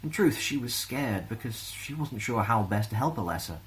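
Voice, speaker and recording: A man with a Scottish accent reading a children's fantasy story aloud in a gentle, expressive way. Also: mid-range voice, normal speed, slight background noise. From Scotland.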